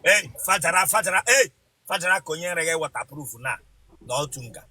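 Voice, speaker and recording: A man's voice: fairly high pitch, quick pace. A man with a Nigerian West African accent, a native Igbo speaker, scolding and ordering people about as host of a comedic mock interview. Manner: bossy, scolding, excitable. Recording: noisy location with ambient sound.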